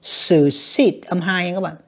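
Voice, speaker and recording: A woman's voice: lowish voice, expressive, fast, husky. A woman teaching an exam walkthrough, talking patiently with frequent fillers and repeating words as she explains. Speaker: English teacher.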